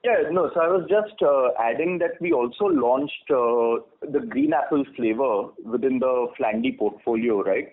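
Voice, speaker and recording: Indian man on a tinny phone line. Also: mid-range voice. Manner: explanatory, often adding "right?" as a tag. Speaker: company executive answering questions. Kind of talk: earnings call Q&A. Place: conference call. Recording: narrow-band phone conference line.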